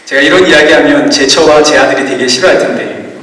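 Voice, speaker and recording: A man's voice: a little high, fast, a bit bright. A middle-aged man preaching a sermon as a pastor, telling a personal story in a confessional way. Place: church sanctuary. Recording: echoey hall, distant mic.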